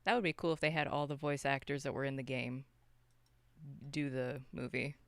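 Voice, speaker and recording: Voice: medium pitch, fairly even intonation, normal speed, gravelly, fairly bright tone, dry recording. A podcast co-host chatting casually about films in a loose, rambling, unscripted way. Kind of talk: casual unscripted film discussion.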